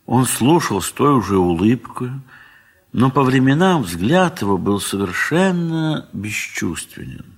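A man narrating a classic story in a 1970s Soviet audio drama, in a dramatic literary style with measured, expressive pauses. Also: mid-range voice, husky.

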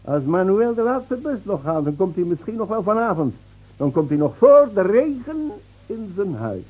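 An actor in a Dutch radio play playing a mocking, defiant old village drunk who foretells doom with theatrical scorn. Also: male voice, sits high, very animated, moderate pace, husky, muffled recording, heavily acted. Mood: triumphant, taunting. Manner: taunting, theatrical, scornfully laughing.

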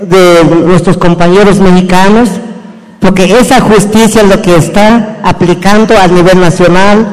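A man whose first language is an indigenous one gives earnest, halting testimony in Spanish at a public hearing. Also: sits high, steady tone, big-room sound, rough recording. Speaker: indigenous community witness. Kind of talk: slow formal testimony at a hearing. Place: hearing hall.

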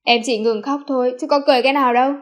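A woman's voice: fairly high pitch, fairly even intonation, brisk, natural voice. A woman voicing a devoted, emotional young man who speaks earnestly and pleadingly.

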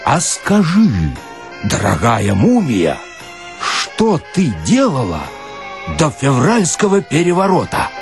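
A man's voice: a little high, wildly swooping pitch, slow, over music, voice pushed up, heavily acted. A man voicing a brash provincial chairman who needles and blusters through questions in a dramatic story reading. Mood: mock-polite needling. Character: brash provincial chairman interrogating a sideshow mummy.

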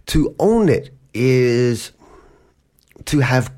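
A man's voice: medium pitch, very animated, very slow, a little mellow. A man hosting a podcast that teaches English, explaining words patiently in a casual way and acting out little example quotes. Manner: gives examples in playful put-on quotes.

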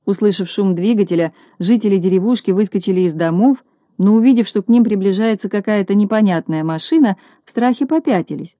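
A woman narrating a children's storybook, steady and expressive. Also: medium pitch, a little fast, dry recording. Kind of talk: storybook reading.

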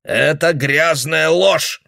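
A man voicing a confused, angry old father who shouts accusations. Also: fairly high pitch, sing-song, takes it slowly, dry recording, studio quality, pitched above the performer's own voice, heavily acted. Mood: raging.

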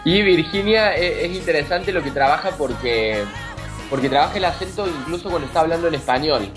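A man's voice: a little high, expressive, brisk, music in the background. A man with an Argentine Spanish accent, co-hosting a casual chat about a TV show, enthusiastic and repeating words as he thinks. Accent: Rioplatense Spanish. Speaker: co-host.

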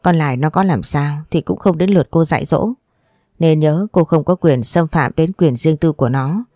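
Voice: mid-range voice, moderate pace, warm tone, no room sound, studio quality, close to an everyday voice. A storyteller voicing a stern, angry young husband who scolds harshly.

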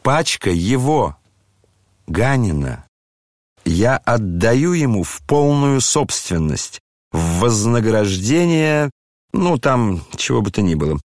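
A man's voice: fairly low pitch, sing-song, slow pace, a little mellow, dry recording, studio quality. Nastasya, a man reading a proud scornful woman. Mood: defiant. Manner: commanding, defiant. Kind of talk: audiobook character reading.

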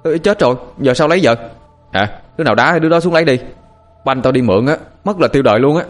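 A man voicing an excited village child shouting during a game. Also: on the high side, quick pace, soft background music, voice pushed up. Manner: loud, excited.

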